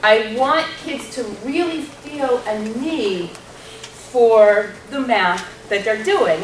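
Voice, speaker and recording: Loud-voiced woman in a roomy hall. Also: a little high. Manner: lively, animated storyteller with a loud voice. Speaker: panelist, math circle leader. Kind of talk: workshop panel talk. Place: workshop room. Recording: roomy hall sound from a distant mic, noisy.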